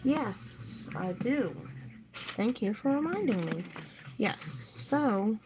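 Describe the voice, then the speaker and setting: A woman's voice: on the high side, lively intonation, very slow. A woman co-hosting a radio show, reading out a scripted factual segment. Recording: dull audio with background noise.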